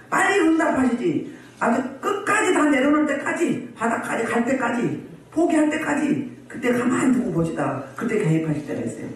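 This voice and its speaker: A woman pastor preaching a sermon at a healing service. She scolds the congregation and keeps firing rhetorical questions at them. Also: fairly high pitch. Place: church hall. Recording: very echoey hall, voice far from mic.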